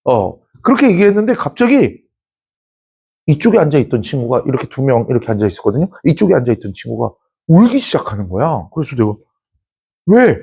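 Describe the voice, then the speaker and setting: A man in his forties teaching social studies, telling a personal anecdote in a chatty, animated way. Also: mid-range voice, fast, creaky, husky.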